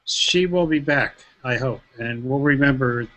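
A man's voice: medium pitch, a little slow, a bit bright, rough recording. A middle-aged man hosting a video call discussion, friendly and chuckling, with hesitant restarts. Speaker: host.

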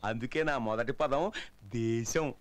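An actor playing a vain, boastful minister who loves pomp and bosses people around, in a film comedy. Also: male voice, mid-range voice, unhurried, close to an everyday voice. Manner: boastful, bossy, mocking. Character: vain showy male minister, loud and boastful.

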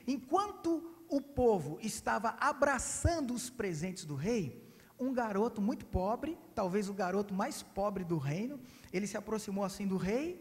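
High-voiced Brazilian pastor, echoing church. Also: male voice. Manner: animated, swinging between loud and hushed. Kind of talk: storytelling sermon. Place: church sanctuary. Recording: reverberant church hall.

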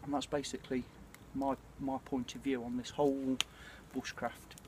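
A British man in his forties chatting casually and reflectively to camera, with a hesitant, throat-clearing delivery. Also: mid-range voice, level tone, moderate pace. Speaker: bushcraft vlogger. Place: outdoors at night by a small campfire. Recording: clear ambient noise of an outdoor campfire.

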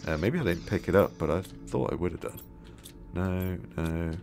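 Hoarse deep-voiced man gaming. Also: moderate pace, soft background music. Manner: relaxed, musing aloud, many fillers. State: hoarse, losing his voice. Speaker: gameplay video host. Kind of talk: casual gameplay commentary.

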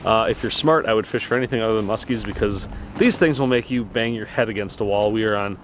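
A man's voice: on the low side, fast, a little hiss or hum. A man hosting his fishing channel, talking casually and cheerfully to the camera from a boat on a lake, with plenty of ums and uhs. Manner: upbeat, joking, with frequent fillers. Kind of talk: casual vlog talk to camera.

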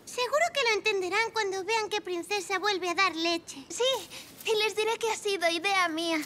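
A woman voicing a kind, brave young mountain girl in an animated series, earnest, gentle and encouraging. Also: extremely high pitch, moderate pace, a little hiss or hum. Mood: pleading. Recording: music under the dialogue.

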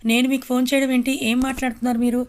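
A woman's voice: high-pitched, little pitch movement, rapid-fire, lightly acted. A woman voicing a young housewife and mother who answers a stranger curtly and with irritation. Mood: irritated. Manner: curt, irritated.

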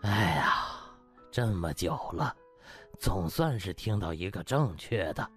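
A man voicing a stern, disappointed old hospital director who scolds with contempt and drawn-out rhetorical questions in an audiobook. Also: deep voice, expressive, fairly bright tone, faint music behind, voice pushed down, exaggerated voice. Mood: smug, measured. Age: older.

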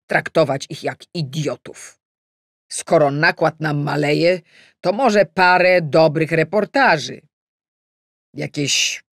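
A woman voicing a male editor-in-chief in an audiobook, an earnest, self-important boss who speaks in a measured, halting, persuasive way. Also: sits low, dry recording, studio quality, heavily acted.

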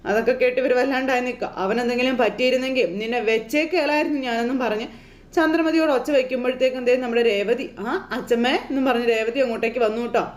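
A woman retells the plot of a TV serial in a lively, chatty voice that sits high. Her narration is heard with a roomy echo. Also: racing. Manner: lively, conversational. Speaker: storyteller.

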